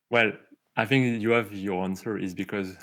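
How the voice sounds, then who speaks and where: At a moderate pace and fairly low pitch, a man with a Parisian accent keeps a fairly even intonation. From France, Paris. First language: French. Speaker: tech company co-founder and executive. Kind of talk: interview conversation. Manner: hesitant, many fillers.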